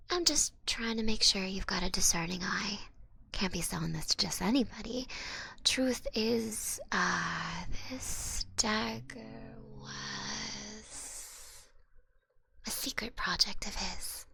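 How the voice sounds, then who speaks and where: A woman plays a little old goblin swindler in an ASMR roleplay. The voice is breathy and crackles with gravel, and it takes its time. The manner is folksy and wheedling, a smooth sales pitch with gentle menace underneath. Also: exaggerated voice. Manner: folksy, wheedling hustler patter.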